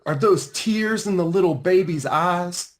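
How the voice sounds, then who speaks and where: A man voicing a mean schoolboy bully who taunts with jeering, drawn-out words in a storybook reading. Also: sits high, voice pushed up. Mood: mocking, threatening.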